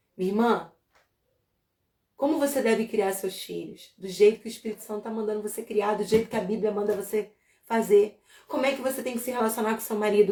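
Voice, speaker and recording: Fairly quick, fairly high-pitched speech from a woman, with ordinary pitch variation. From Rio de Janeiro, Brazil. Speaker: women's ministry leader. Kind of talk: devotional teaching livestream. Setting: livestream from home. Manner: animated.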